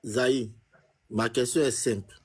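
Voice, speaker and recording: Husky man asking calm questions. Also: medium pitch, slow. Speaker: debate participant questioning a caller. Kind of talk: heated live online debate.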